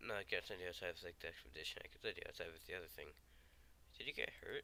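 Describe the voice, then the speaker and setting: A man talks at a very fast pace. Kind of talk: casual gameplay commentary.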